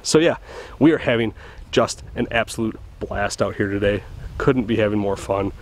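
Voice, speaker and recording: A man in his thirties hosting a casual fishing vlog, talking excitedly to a camera held at arm's length outdoors on a small river boat. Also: lowish voice, moderate pace, slight background noise. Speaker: host of fishing channel. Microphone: handheld camera at arm's length.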